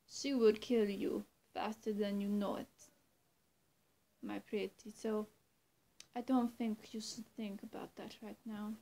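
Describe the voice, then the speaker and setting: A young woman performs an in-character vampire roleplay directed at the listener, coaxing in a slow, creaky voice. Her voice is on the high side and warm, halting and often dropping to a whisper, recorded in a small room indoors.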